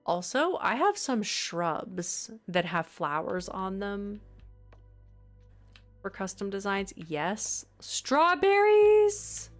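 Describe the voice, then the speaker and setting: A woman drawling through a relaxed live-stream chat, giggly and chatty as she answers her viewers. Her unhurried talk sits over faint game music. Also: mid-range voice.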